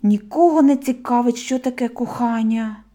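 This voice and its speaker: An eager little hedgehog boy with a high, bright-edged voice and loud exclamations, as a woman reading a storybook plays him. He is quick to take offense and restless. The tone stays warm and mellow underneath. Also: lightly acted. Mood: earnest. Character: eager excitable young male hedgehog.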